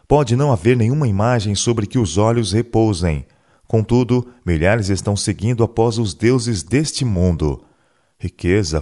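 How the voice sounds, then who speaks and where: A man reading a devotional book aloud in a measured, solemn way. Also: lowish voice, darkish tone. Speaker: narrator.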